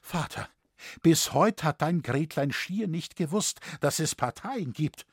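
A man's voice: on the high side, expressive, slow, slightly rough, no room sound, studio quality, full character voice. A man reading an audiobook, voicing an innocent young noble daughter who pleads earnestly.

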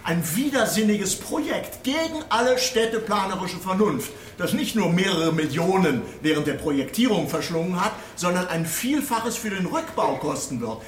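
An actor playing a prosecutor who argues pointedly and indignantly in court. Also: male voice, high-pitched, animated, normal speed, few pauses, echoey room, a little hiss or hum. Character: sharp prosecutor arguing in court.

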